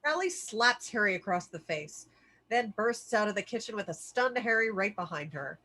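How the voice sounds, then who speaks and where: A woman reads a screenplay's stage directions aloud at a table read, covering scene headings and action lines. Her mid-range voice has lively intonation, normal speed, and a sharp tone, with slight background noise present.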